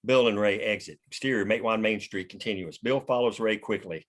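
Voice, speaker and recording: A man with a fairly low voice reads scene headings and action lines. His scripted narration is matter-of-fact, as at a screenplay table read. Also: fairly quick. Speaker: stage-direction narrator.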